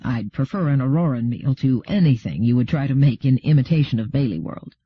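A man's voice: medium pitch, animated, brisk, breathy edge. A man voicing a brash, cheeky, well-travelled settler trader in an audiobook, laconic and self-assured. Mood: matter-of-fact. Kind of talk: audiobook character dialogue. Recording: roomy, dull lo-fi audio.

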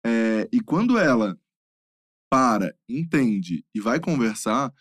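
A man chatting casually as a host, affirming and expressive as he reflects and tells his own story. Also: medium pitch, takes it slowly, no echo, studio quality. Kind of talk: casual podcast chat.

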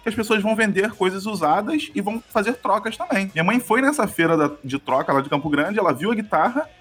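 A man's voice: high voice, quick pace, husky, faint music behind. A man from Rio in his thirties, co-hosting a casual podcast, telling stories about his mother with jokes and laughter. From Brazil. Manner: energetic storyteller, jokes and laughs. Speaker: podcast co-host. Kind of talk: casual chat.

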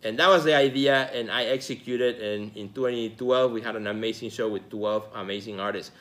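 A man in his forties from Mexico, hosting his own show as a casual solo talk, relaxed and rambling, with many fillers and restarts. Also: fairly low pitch, brisk. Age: 40s. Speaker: podcast host.

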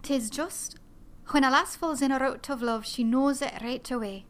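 A woman's voice: high-pitched, moderate pace, close to an everyday voice. A woman voicing a romantic young village lass from a musical in a stage Scottish accent. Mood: dreamy.

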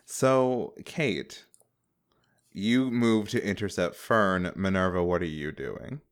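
A man's voice: low voice, slow pace, clean tone. A man narrating a tabletop game as game master, hesitant, with frequent fillers. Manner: hesitant, laughing easily.

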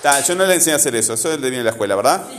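A man teaching a classroom lesson, brisk and questioning, calling on students by name. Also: mid-range voice, expressive, crowd noise.

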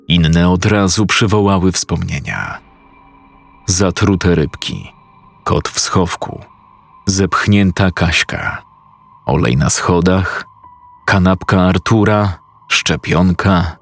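Deep-voiced man for a measured creepy story reading, unhurried. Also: vocal fry. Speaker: narrator. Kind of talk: horror story narration.

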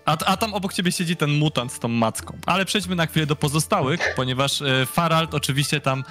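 A man's voice: on the high side, fast, bright, forceful tone, soft background music. A man running a tabletop game as game master. He narrates casually, with fillers and chuckles, and often says "listen".

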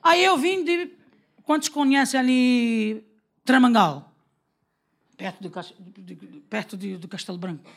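A Brazilian woman preaching a lively sermon, telling stories and acting out the dialogue with frequent laughter. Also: a little high, unhurried, long pauses. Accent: Brazilian Portuguese. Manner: animated, acts out quoted dialogue, laughs often.

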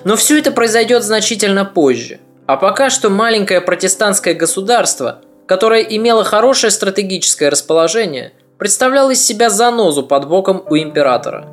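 A man narrating a history podcast in a measured, slightly ironic, scripted storytelling way. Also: sits high, expressive, faint music behind.

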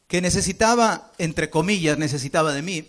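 High-voiced middle-aged male preacher. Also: a bit bright. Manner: speaks in short phrases, pausing for the interpreter; earnest and heartfelt. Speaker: preacher giving testimony. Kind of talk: interpreted sermon testimony.

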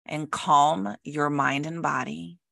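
A woman's voice: sits low, slow pace, creaky, fairly bright tone, no echo. A woman co-hosting a casual podcast from home, reading product notes aloud and chatting with a giggle. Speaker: podcast co-host. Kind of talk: casual chat. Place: home with cats. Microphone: own microphone.

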